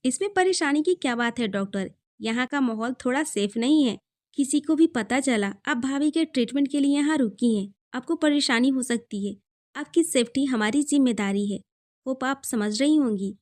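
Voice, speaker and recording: An earnest, slightly shy young man , voiced by a woman reading the story. He speaks in a high voice and sounds a little hesitant. It is an audio story reading. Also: lively intonation, normal speed, a little mellow, dry recording.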